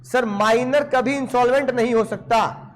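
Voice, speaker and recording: A man teaching law in an animated lecture, on the terms, who keeps asking his students questions and answering them himself. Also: very high voice, a little slow. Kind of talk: lively Hindi lecture.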